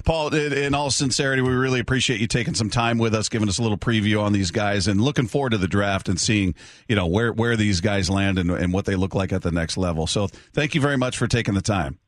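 A man's voice: lowish voice, quick pace, no echo. A man hosting a sports radio show in a studio, chatting casually and telling stories. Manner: chatty, laughs often, storytelling. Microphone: studio microphone.

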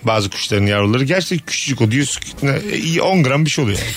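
A man's voice: mid-range voice, lively intonation, fast talker. A man hosting a comic radio show, riffing on jokes and laughing often.

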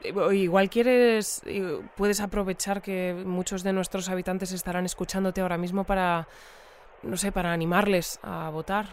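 An actress playing a courteous, sympathetic radio news presenter in an audio drama, with a Castilian Spanish accent and a conversational manner. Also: female voice, on the low side, steady tone, normal speed, lightly acted. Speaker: news bulletin host. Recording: clear background noise and ambience.

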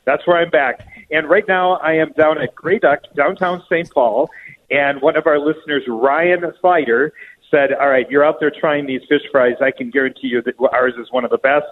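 A man's voice: on the high side, steady tone, normal speed. A man chatting casually on air as a show regular, phoning in from an echoey public bathroom. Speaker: radio show regular reporting by phone. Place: echoey public restroom in a restaurant. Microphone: phone. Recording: noisy phone line, echoing public bathroom.

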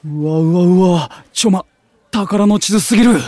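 Man acting an excitable young otaku guy. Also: high voice, moderate pace, no echo, natural voice. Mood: thrilled. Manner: geeky slang, exaggerated reactions, casual junior-style politeness. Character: excitable young male otaku food streamer and aspiring idol. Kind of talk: Japanese audio drama acting.

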